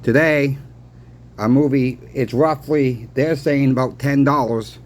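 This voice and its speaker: A man's voice: medium pitch, fairly even intonation, unhurried. A man talking casually to viewers as a plainspoken explainer, repeating his points and posing rhetorical questions. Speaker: host of a coin and silver channel. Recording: clearly noisy background.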